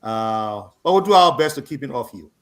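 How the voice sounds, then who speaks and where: A man's voice: mid-range voice, expressive, moderate pace, fairly bright tone. A man co-hosting a live radio and TV talk show, genially introducing panelists with some light teasing.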